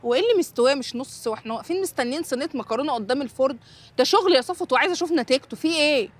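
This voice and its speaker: An impatient woman pressing her partner in sharp, sarcastic Egyptian Arabic. Her voice sits high and she talks very fast. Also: expressive. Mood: exasperated.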